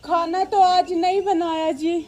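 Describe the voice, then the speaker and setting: A woman's voice: extremely high pitch, flat delivery, a little slow. A woman playing a tearful, downtrodden wife. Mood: pleading. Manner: meek, tearful pleading. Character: poor, weary wife pleading with her drunk husband. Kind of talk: amateur short drama. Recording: music playing under the voice.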